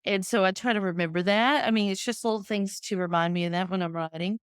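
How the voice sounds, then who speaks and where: A woman's voice: medium pitch, fast, smooth, dry recording, clean studio sound. A woman from Texas, a guest author chatting casually in an interview over a video call.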